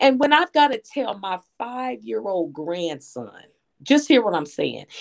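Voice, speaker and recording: A woman's fairly slow delivery with very wide swings in pitch. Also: medium pitch for a woman. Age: 60s. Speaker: call-in show participant. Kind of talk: casual chat. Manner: animated.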